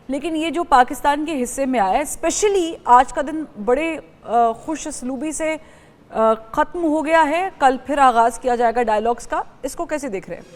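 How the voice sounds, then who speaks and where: Female Pakistani news anchor, fairly high voice, bilingual interview delivery, long reverb. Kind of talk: news interview, switching between Urdu and English. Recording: reverberant room sound.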